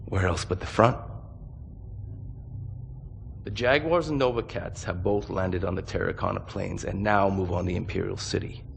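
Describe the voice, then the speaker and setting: An actor playing a grave, commanding mercenary officer in a video game cutscene, speaking in a measured, authoritative way. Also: male voice, low voice, vocal fry, a little hiss or hum. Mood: stern. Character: grave, commanding male mercenary officer briefing his unit. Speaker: military commander. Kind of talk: dramatic game cutscene acting.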